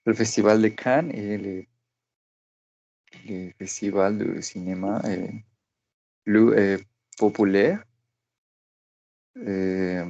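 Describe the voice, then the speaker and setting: A man, a student answering in halting French and searching for words. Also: on the low side, vocal fry, warm tone, dull audio. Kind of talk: language lesson answers.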